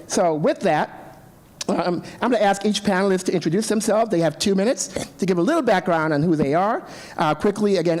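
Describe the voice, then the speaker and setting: A man's voice: on the high side, a little mellow. A man moderating a live conference panel, explaining the setup in an upbeat way and keeping things moving. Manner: upbeat, explanatory, short encouraging remarks.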